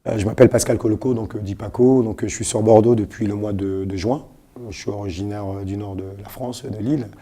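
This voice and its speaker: A man's voice: on the low side, fairly even intonation, fairly quick, mellow, breathy edge. A man from Cameroon, a guest artist on a web TV set, talking in a casual interview with many fillers and restarts. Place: web TV studio.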